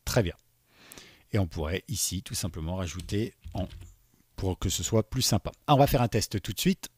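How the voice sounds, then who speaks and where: A fairly low-voiced man walks beginners through a coding exercise, chatting and thinking aloud as he types. His voice sits close and dry on the mic. Keyboard clicks come and go behind him. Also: expressive, normal speed, darkish tone, husky, no room sound. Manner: chatty, thinks aloud while typing, frequent "d'accord?". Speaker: coding instructor. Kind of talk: screen-recorded coding tutorial.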